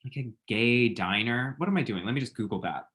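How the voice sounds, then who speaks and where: A man's voice: medium pitch, expressive, fairly quick, fairly bright tone, close to an everyday voice. A man reading a dramatic, sarcastic young gay man. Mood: rambling. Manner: sarcastic, theatrical delivery. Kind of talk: table read.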